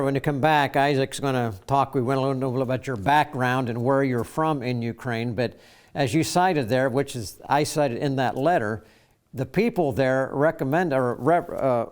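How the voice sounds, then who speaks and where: A man's voice: medium pitch, clean tone. A man hosting a Christian talk program, introducing his guest and asking questions with frequent fillers. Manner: reads a letter aloud, then interviews with fillers. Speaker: host. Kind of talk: broadcast talk show hosting.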